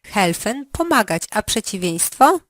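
A woman running a language lesson, giving slow, carefully articulated prompts for the learner to answer. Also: medium pitch, sing-song, a bit bright, dry recording, clean studio sound. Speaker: language teacher.

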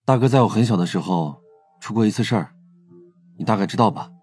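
An actor in a Chinese audio drama playing a candid, protective younger brother who confides hesitantly and earnestly. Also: male voice, fairly low pitch, fast talker, a little mellow, close to an everyday voice. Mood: earnest, subdued.

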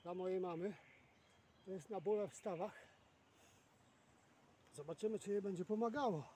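A man's voice: high-pitched, moderate pace, dark tone. A man in his sixties from Poland chatting casually and rambling to himself as a fishing vlogger out in a boat. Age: 60s. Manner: rambling, self-deprecating muttering to himself. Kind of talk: casual chat to camera while fishing. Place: outdoors in a boat on open water. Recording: outdoor far mic, clear background noise.

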